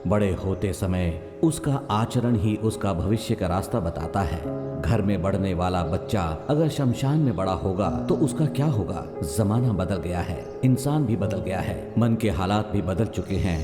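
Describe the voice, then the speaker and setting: A man speaking a solemn, measured voice-over narration for a dubbed film. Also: low voice, expressive, music in the background. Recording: reverberant with film score behind.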